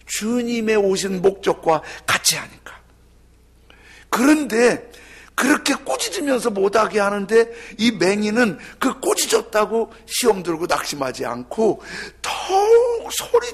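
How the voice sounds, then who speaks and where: A male pastor preaching a sermon with dramatic swings between loud cries and near-whispers. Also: high-pitched, gravelly, husky.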